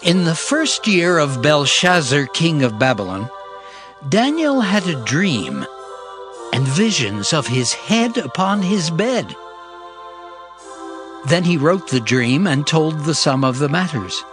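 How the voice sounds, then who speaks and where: A man's voice: a little high, sing-song, slow pace. A man narrating scripture dramatically, in a solemn storytelling manner. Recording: clear music behind the voice.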